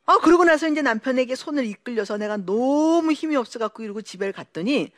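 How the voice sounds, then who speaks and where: A Korean-born woman giving an emotional personal testimony to an audience, telling her story in an animated way and acting out the voices of the people in it. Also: a little high, no echo, clean studio sound.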